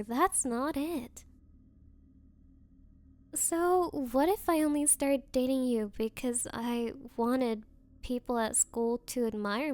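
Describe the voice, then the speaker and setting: A woman's voice: sits high, a little mellow, dry recording. A young woman voicing a spoiled, possessive rich girl in an anime-style ASMR roleplay, coy and haughty with hesitant, valley-girl phrasing. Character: bratty spoiled rich girl, possessive, smitten but defensive.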